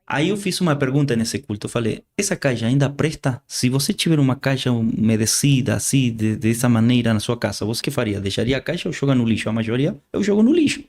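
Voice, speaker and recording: The guest preacher, an Argentine native Spanish speaker with the country's accent, has an animated, medium-pitched voice with a touch of mellowness. He preaches in an interview sincerely but falteringly, circling back over repeated words.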